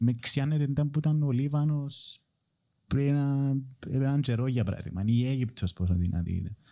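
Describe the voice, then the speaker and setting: This voice has a dark, mellow tone and a Cypriot accent, moving at a moderate pace with ordinary pitch variation and very even loudness. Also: man, medium pitch for a man. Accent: Cypriot Greek. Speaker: podcast co-host. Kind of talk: casual discussion.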